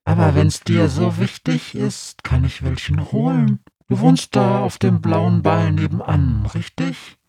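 A man voicing a grumpy, sleepy female dragon creature who talks in a gruff, blunt, unbothered way. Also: on the high side, very animated, measured pace, crowd noise, voice pushed up.

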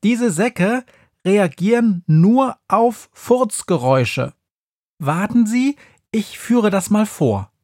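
A man's voice: expressive, takes it slowly, a little mellow, no room sound, studio quality, exaggerated voice. A man voicing a bossy, scolding little witch who hisses and nags at her brother. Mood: rousing. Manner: hissing, scolding, shrill.

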